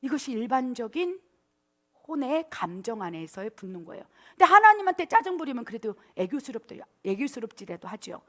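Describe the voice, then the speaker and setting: A high-pitched woman preaches at a church service with lively energy. She often slips into coaxing, pleading voices to act out prayers. She sounds middle-aged and speaks like a pastor. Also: a little fast. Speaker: pastor and missionary. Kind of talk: sermon.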